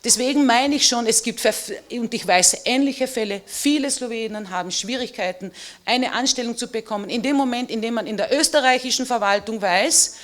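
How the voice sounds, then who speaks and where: A woman's voice: a little high, brisk. Emphatic woman historian on a panel. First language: Slovene. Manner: emphatic, personal, lively. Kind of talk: panel discussion statement.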